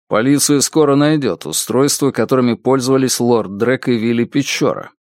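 A man's voice: mid-range voice, normal speed, no echo, close to an everyday voice. Man doing a cool blunt detective, level voice, no smile in it, dry close sound. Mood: calm. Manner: calm, level, unsmiling. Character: blunt calm male detective, unsmiling, relentless.

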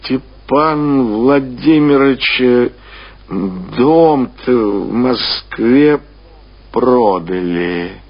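A man's voice: medium pitch, expressive, very slow, slightly rough, full character voice. A man voicing an evasive, servile estate bailiff who mumbles and hesitates in a dramatic radio reading. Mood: reluctant, halting. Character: evasive, timid, servile male estate bailiff reporting reluctantly. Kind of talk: dramatic reading of classic literature. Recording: dull archive radio recording.

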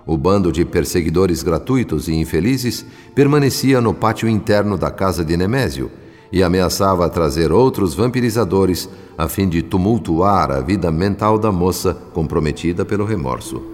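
An actor playing an earnest, reflective spirit narrator with a Brazilian accent, telling a radio drama in solemn, literary style. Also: male voice, deep voice, expressive, moderate pace, a little mellow, in a large hall, soft background music.

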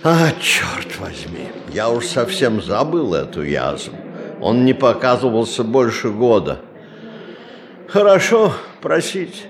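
A man's voice: medium pitch, big pitch swings, slow, a little hiss or hum. An actor playing a condescending male boss in a radio play, brusque and dismissive, with a patronizing, skeptical drawl. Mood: irritated. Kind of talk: Russian radio play acting.

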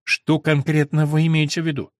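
A man voicing Elena, a sharp, ironic woman who answers with dry skepticism. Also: fairly high pitch, flat delivery, brisk, no echo, close to an everyday voice. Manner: wry, skeptical questions.

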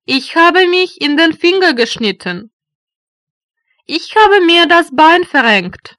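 A woman reading German phrases slowly and deliberately for learners, repeating each one. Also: very high-pitched, expressive, bright, forceful tone, no echo, studio quality. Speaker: German language teacher voice. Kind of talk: slow phrase drills for learners.

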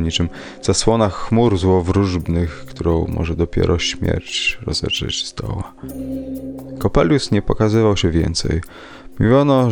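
A man reading a classic horror story aloud in a measured, dramatic storytelling manner. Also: deep voice, gravelly. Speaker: podcast reader. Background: faint music.

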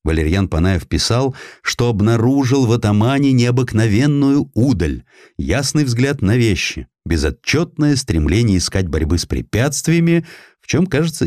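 A male audiobook narrator tells a historical tale in a fairly low voice. His delivery is dramatised and very animated in pitch, recorded close and dry. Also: normal speed, no room sound.

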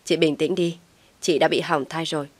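A calm, professional hospital doctor, voiced by a woman storyteller, speaking in a measured, soothing tone. The voice is lowish and the sound dry. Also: no room sound.

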